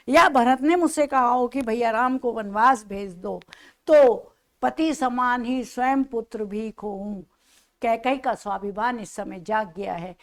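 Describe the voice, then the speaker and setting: A woman with a somewhat high voice teaches a poetry lesson. She restates each verse in plainer words, circling back over the same point. She often turns to her students with rhetorical questions. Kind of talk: classroom lecture explaining a poem.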